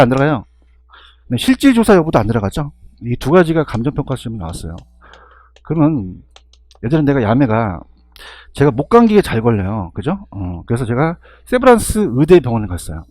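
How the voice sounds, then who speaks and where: A man with a husky voice giving an exam-review lecture, constantly firing rhetorical questions and checking in with his students. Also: mid-range voice, a little mellow, no echo.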